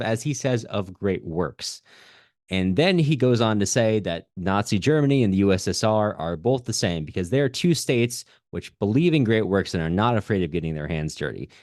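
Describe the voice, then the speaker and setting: Low-voiced man discussing literature. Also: darkish tone, dry recording, clean studio sound. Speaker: podcast host.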